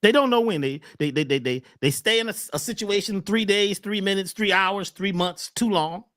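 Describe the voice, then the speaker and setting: A man talking as a wellness coach on a talk show, emphatic and repetitive, often jumping high on key words. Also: moderate pace, a bit bright, dry recording, clean studio sound. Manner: emphatic, repeats phrases, swoops up on key words. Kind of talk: animated talk-show conversation.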